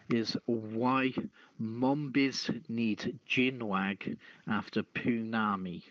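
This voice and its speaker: A man presenting a casual news podcast in a hesitant, halting way, as its host. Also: lowish voice, no echo, muffled recording.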